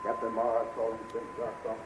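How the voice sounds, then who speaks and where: An actor playing a brave captain on a secret rescue mission in a 1930s radio drama. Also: male voice, fairly low pitch, monotone, moderate pace, lightly acted. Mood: earnest. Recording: tinny, noisy 1930s radio recording.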